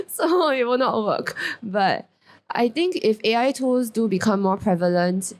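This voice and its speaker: A woman's voice: on the high side, expressive, a little slow. A woman with a Singaporean accent, speaking as a guest on a business panel, chatty, with frequent restarts and self-corrections. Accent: Singaporean English. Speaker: guest, character brand founder. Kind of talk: panel discussion.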